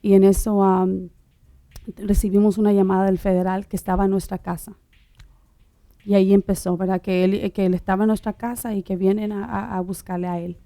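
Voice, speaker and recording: A middle-aged woman born in Uruguay telling her personal testimony in conversation, halting, with many fillers and restarts. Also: medium pitch, flat delivery, mellow, dry recording. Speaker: guest sharing her testimony.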